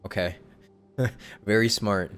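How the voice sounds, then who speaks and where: A young man streaming a video game, commenting in a loud, sarcastic way and swearing. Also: lowish voice, steady tone, slow pace, soft background music.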